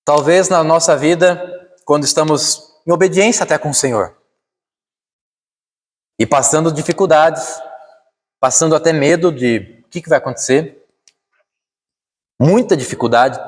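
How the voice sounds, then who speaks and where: Brazilian man preaching in a reverberant hall. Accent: Brazilian Portuguese. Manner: swings from slow, hushed lines to high, urgent climbs. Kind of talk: sermon.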